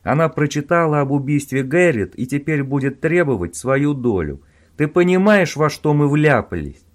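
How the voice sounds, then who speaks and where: A man voicing an angry schemer who shouts at his bungling accomplice, harsh and loud. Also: mid-range voice, lively intonation, moderate pace, voice pushed up, close to an everyday voice. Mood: furious.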